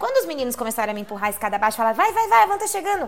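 Music plays behind a woman whose fairly high voice swings very widely in pitch. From interior of São Paulo state, Mogi Mirim. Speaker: podcast co-host. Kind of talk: casual chat.

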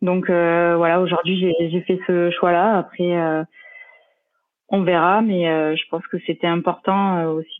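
Monotone, flat intonation carries a woman's fairly low voice at a very slow pace. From France, Lozère (Mende). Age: 30s. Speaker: professional triathlete. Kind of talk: interview.

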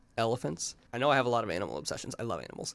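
Vocal fry runs through this voice, whose pitch varies in an ordinary way. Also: man. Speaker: student newspaper editor. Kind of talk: casual chat.

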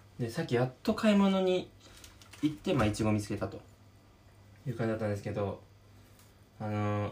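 Using lively intonation at a fairly quick pace, a man with a medium pitch sounds somewhat breathy and leaves long, frequent pauses. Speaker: solo podcaster doing an ASMR cooking diary. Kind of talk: casual solo chat while cooking. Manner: speech others say sounds effeminate.

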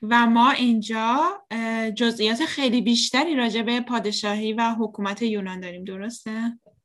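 A woman's fairly high-pitched, ordinary speaking voice at a moderate pace, with ordinary pitch variation and big swings in loudness. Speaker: interpreter. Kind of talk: consecutive interpretation of bible class.

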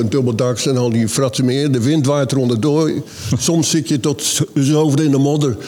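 A man's dark, mellow, medium-pitched voice at a moderate pace, fairly even in intonation, with audible room echo. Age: 70s. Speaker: reenactment hobbyist. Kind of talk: live interview before audience. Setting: museum hall with live audience.

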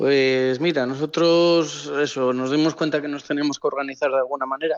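An ordinary speaking voice belongs to a man who speaks at a moderate pace with medium pitch and fairly even intonation. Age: 30s. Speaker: farmer and protest coordinator. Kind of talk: radio interview. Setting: phone call.

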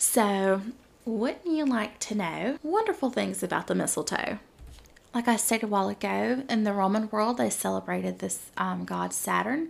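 A woman speaks in a Southern US accent. Her pace is moderate. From US South. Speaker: podcast host. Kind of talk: casual solo podcast monologue.

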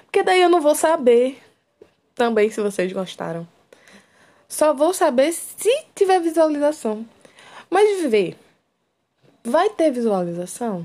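Very slowly and with long, frequent pauses, a woman speaks with very wide pitch swings. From Brazil, Pernambuco (Cabo de Santo Agostinho, near Recife). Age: 20s. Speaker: podcast host, nursing student. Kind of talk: casual monologue.

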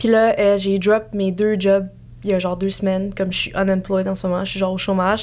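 At a fairly quick pace, a woman with a medium pitch talks in a monotone with flat intonation. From Morocco. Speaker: podcast co-host. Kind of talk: casual chat. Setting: studio.

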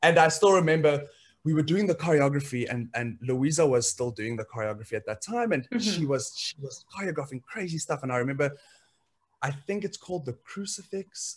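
The voice is somewhat breathy, with lively intonation. The pace is fairly quick. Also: man, fairly high pitch for a man. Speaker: performer and theatre producer. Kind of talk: casual interview.

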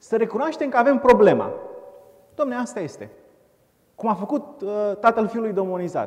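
A man's extremely high-pitched voice at a moderate pace, with long, frequent pauses, big swings in loudness and ordinary pitch variation. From Romania. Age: 20s. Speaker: lay preacher. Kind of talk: sermon. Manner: hesitant, with fillers.

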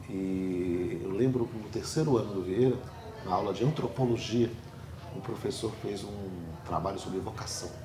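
A man speaks at a moderate pace and a fairly low pitch, with ordinary pitch variation and long, frequent pauses. Music plays in the background, and there is audible room echo. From Salvador, Bahia, Brazil. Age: 40s. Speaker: labor judge and law professor. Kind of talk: interview, life story.

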